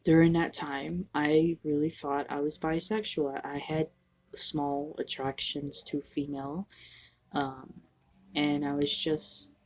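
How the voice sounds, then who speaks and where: A young trans man talking candidly to the camera in a casual home vlog, halting and self-deprecating, sniffly from allergies. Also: fairly high pitch, flat delivery. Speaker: vlogger. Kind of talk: casual personal vlog monologue.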